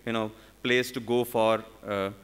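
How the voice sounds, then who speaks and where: A man in his forties with an Indian English accent, speaking at a conference podium in a halting way, with many fillers and restarts. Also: lowish voice, flat delivery, a bit bright, smooth. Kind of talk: conference panel talk. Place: large conference hall on stage. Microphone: podium microphone. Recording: long hall reverb.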